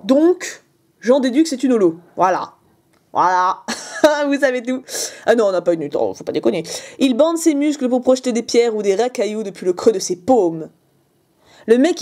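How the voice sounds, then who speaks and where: A young woman hosting a casual, excited card-opening video, chatty and jokey. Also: on the high side. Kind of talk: excited casual unboxing commentary.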